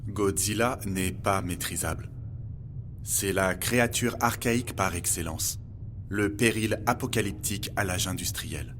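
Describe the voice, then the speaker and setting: A man playing a knowledgeable guide in a scripted audio drama, explaining old human myths in a measured, didactic way. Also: deep voice, fairly bright tone, a little hiss or hum. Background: music.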